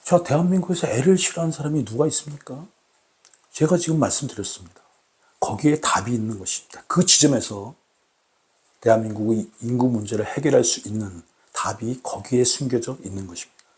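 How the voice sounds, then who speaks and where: A man hosting his own channel, talking to camera in a formal, deliberate way with many repeated rhetorical questions. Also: mid-range voice, darkish tone. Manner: repetitive, emphatic rhetorical questions. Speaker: channel host. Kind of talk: solo talk to camera.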